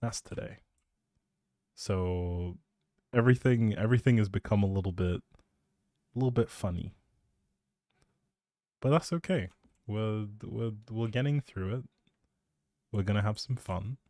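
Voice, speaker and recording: A man's voice: on the low side, unhurried, long pauses, dark tone, dry recording. A man chatting casually as a live streamer, rambling in a playful, self-deprecating way into a close microphone.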